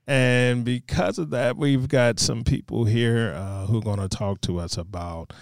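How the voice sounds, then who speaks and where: A man's voice: mid-range voice, measured pace, no room sound. Man, show host, playful banter, dry studio sound. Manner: playful, laughs often, lively banter. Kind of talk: casual studio chat.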